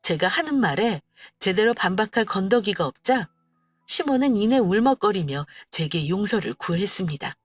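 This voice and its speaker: A woman telling a scripted first-person family story in a lively storytelling manner. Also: medium pitch, normal speed, breathy edge, no room sound, clean studio sound, soft background music. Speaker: story narrator.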